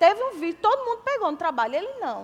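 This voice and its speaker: Noticeable background noise beneath a woman's voice, its pitch swinging very widely. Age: 30s. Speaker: preacher. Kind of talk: sermon.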